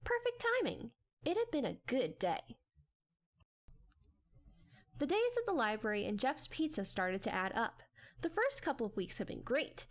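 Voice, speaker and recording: A woman narrating a story as a dramatic audiobook reading. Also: fairly high pitch.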